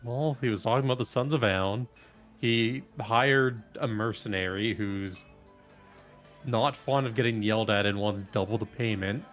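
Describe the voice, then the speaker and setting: A man's voice: on the low side, normal speed, a bit bright, faint music behind. A man playing a tabletop game, reporting what his character learned in a matter-of-fact way. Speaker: player.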